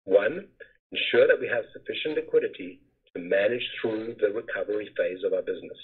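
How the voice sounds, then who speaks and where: A man in the role of a company finance executive reading a scripted earnings presentation in a formal, measured manner. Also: lowish voice, husky. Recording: muffled phone-like conference call webcast audio.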